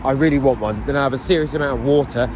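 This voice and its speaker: A man's voice: medium pitch, rapid-fire, background noise. A young British man talking casually in a vlog, with a dry, tongue-in-cheek, sweary way of speaking. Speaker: vlogger. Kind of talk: casual first-person vlog to camera.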